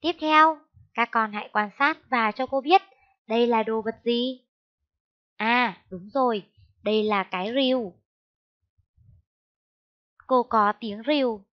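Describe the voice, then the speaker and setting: A woman teaching a first-grade lesson, speaking slowly and clearly and spelling out syllables in a raised, sing-song voice. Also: fairly high pitch. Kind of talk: slow, clear classroom lesson. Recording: dull lo-fi sound.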